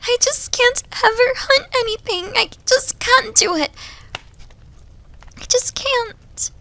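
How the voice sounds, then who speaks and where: A woman's voice: extremely high pitch, takes it slowly, full character voice. A woman voicing a timid, needy, self-loathing young wolf girl in an ASMR roleplay, plaintive and hesitant, often dipping toward a whisper. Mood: desperate, pleading. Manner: soft, hesitant, breathy dips into whispering, plaintive. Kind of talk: ASMR roleplay audio drama.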